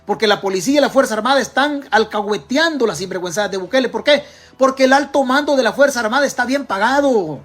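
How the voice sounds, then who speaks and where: A man's voice: extremely high pitch, animated, quick pace, a bit bright. A man with a Salvadoran accent giving political commentary to camera, emphatic and firing rhetorical questions straight at his audience. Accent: Salvadoran Spanish.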